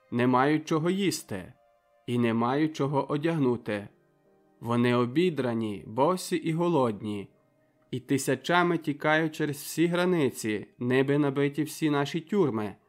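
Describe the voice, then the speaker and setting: A man's voice: medium pitch, natural voice. A young villager makes a rousing, declamatory speech to his neighbours, read by a man. The voice sits mid-range with faint music underneath. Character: young male villager giving a fiery speech.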